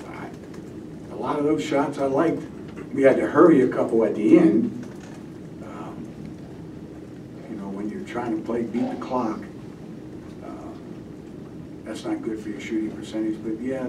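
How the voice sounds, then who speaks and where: An older man, a head coach at a post-game press conference, rambling and often trailing off into mutters. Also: mid-range voice. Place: indoor press room. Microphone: table microphone. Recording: roomy, distant, noisy press room.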